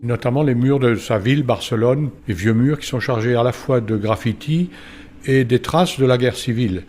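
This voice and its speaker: A man giving unscripted art commentary, explaining in a measured way with pauses between short phrases. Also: medium pitch, darkish tone, a little hiss or hum.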